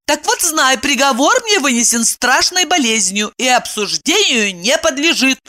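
A woman reading an audiobook, voicing an excitable, sharp-tongued young woman who talks in a sarcastic, commanding, exclamatory way. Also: very high voice, moderate pace, pitched above the performer's own voice, heavily acted. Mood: bossy.

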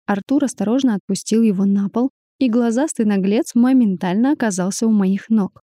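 Brief: female audiobook reader, mellow tone, dry close recording. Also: mid-range voice, brisk, no echo. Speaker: audiobook narrator. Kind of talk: first-person audiobook narration.

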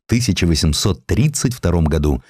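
A man narrating a historical story in an expressive, theatrical literary style. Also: deep voice, a little fast, breathy edge, no room sound. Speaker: narrator, audiobook reader.

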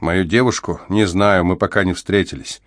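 A man's voice: sits low, fairly even intonation, moderate pace, no echo, clean studio sound, close to an everyday voice. A man voicing a shy young prisoner. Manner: hesitant, shy. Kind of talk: audiobook character voice.

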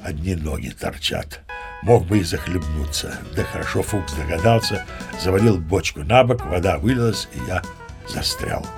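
An actor playing an old sea captain, spinning tall tales in a leisurely, self-important, theatrical way for an audiobook drama. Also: male voice, sits low, music in the background. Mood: rueful. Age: older. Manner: leisurely, pompous, savouring pauses and asides.

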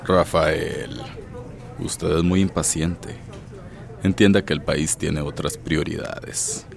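An actor playing a condescending government minister who brushes off complaints, in a radio drama. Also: male voice, very deep voice, steady tone, slow pace, gravelly, a crowd in the background, heavily acted. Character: dismissive middle-aged male government minister.

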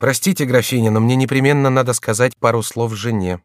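A man voicing a rash young nobleman with a sardonic, brisk manner, in an audiobook reading. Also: medium pitch, steady tone, no room sound, clean studio sound, natural voice. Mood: wry.

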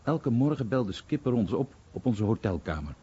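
Tired troubled war veteran, really husky, subdued, radio drama, muffled sound. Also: male voice, medium pitch, very animated, moderate pace, mellow. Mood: reflective. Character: weary, troubled American veteran recalling his bomber crew days. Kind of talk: radio documentary drama narration and dialogue.

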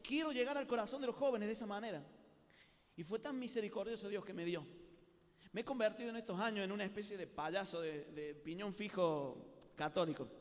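Cordoba argentine guy preaching to teens, high voice, long echo in a big hall. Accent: Córdoba Argentine Spanish. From Córdoba, Argentina. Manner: animated showman, acts out scenes. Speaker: Catholic youth preacher. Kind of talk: lively retreat sermon.

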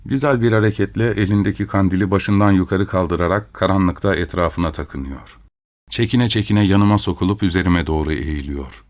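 A man reading a first-person story aloud as narrator, in a steady, measured way. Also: low voice.

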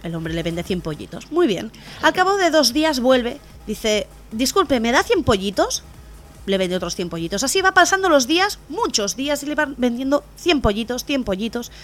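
Woman, radio joke-teller, high voice, very lively pitch, laughs often. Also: moderate pace. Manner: animated storyteller, laughs at jokes, acts out characters. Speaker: radio comedy co-host telling jokes. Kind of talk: joke-telling on community radio. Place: radio studio.

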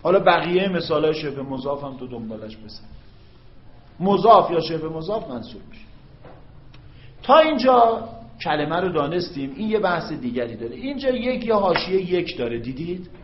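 A man's voice: fairly high pitch, big pitch swings. A man teaching grammar in a classroom lecture, often stopping to check whether his students follow. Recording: echoey, dull classroom recording.

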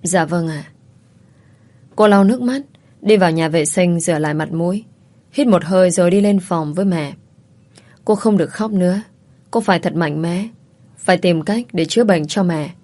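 A woman narrating a drama story in a calm, unhurried, reflective way. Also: fairly low pitch.

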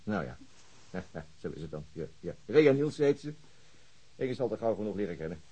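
An actor playing a flustered middle-aged father and police inspector in a radio drama, talking hesitantly in a husky voice. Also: on the low side, very animated, warm tone, full character voice, low-quality recording. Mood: bashful, evasive. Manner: hesitant, halting. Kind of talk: Dutch radio drama dialogue.

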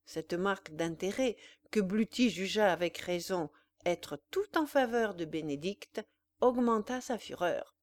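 A woman narrating a classic novel in a measured, even storytelling manner. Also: medium pitch, dry recording. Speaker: audiobook reader. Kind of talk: scripted literary narration.

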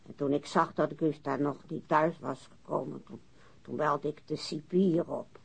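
A woman playing a prickly, tipsy widow with refined, haughty airs and a husky, creaky voice in a radio drama. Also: low voice, fairly even intonation, measured pace, heavily acted. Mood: rambling.

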